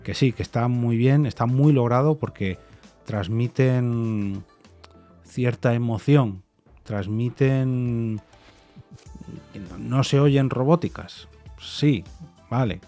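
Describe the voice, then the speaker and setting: A man with a dark, relaxed voice thinks out loud on his podcast, circling his point with restarts and soft repeated no's. A faint music bed runs quietly under him. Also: mid-range voice, slow pace, pauses often. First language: Spanish. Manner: thoughtful, hesitant, many restarts and repeated "no". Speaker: podcast host. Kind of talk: reflective solo opinion monologue.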